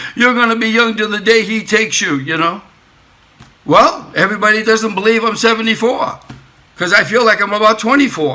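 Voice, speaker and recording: A raised, projected voice with an American accent moves at a fairly quick pace. Its pitch varies in an ordinary way over noticeable background noise. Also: man, high pitch for a man. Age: 70s. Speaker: war veteran. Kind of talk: testimony. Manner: halting.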